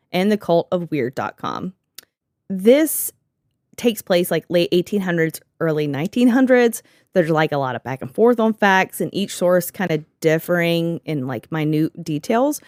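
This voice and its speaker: A woman hosting a podcast in an easy, sarcastic chat, laughing often and swearing freely. Her voice sits a little low and the sound is dry and close to the mic. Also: dry recording. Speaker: podcast host. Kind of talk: casual chat.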